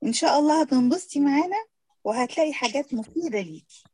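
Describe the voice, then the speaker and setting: A woman's voice: high voice, lively intonation, fast, a loud crowd. A woman with an Egyptian Arabic accent, playing a reassuring woman who runs a discussion group. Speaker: actor rehearsing a play.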